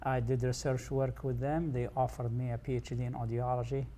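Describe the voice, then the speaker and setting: An older man from Egypt answers briefly and matter-of-factly. His delivery is flat and his tone is dark and mellow. Faint room noise sits behind him. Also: mid-range voice, fairly quick. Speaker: guest, audiologist.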